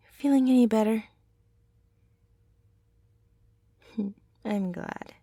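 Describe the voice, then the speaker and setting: A woman voicing a gentle, teasing centaur girlfriend in a soothing ASMR roleplay, with breathy murmurs and soft sighs. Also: fairly high pitch, takes it slowly, no echo, full character voice. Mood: tender, soothing. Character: gentle, caring, teasing female centaur girlfriend, hardworking farmer.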